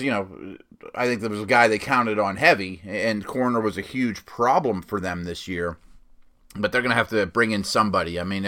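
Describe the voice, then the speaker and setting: A man's voice: on the low side, a bit bright. A stuffed-up man hosting a casual football podcast on his own, talking in a loose, rambling way full of fillers and self-corrections. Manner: rambling, lots of fillers and restarts. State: sniffly, stuffed up. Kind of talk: casual solo sports commentary.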